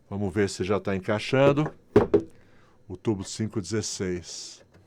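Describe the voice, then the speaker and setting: A man's fairly low pitch, with ordinary pitch variation and a fairly slow pace. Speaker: refrigeration instructor. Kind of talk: tutorial. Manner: casual; soft-spoken.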